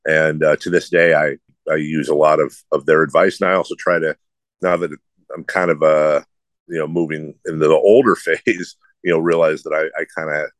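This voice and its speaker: A man's voice: very deep voice, fairly even intonation, normal speed, no echo. A middle-aged man who hosts sports radio, with a slight lisp and a nasal, droning voice, answering interview questions in a rambling, self-deprecating way.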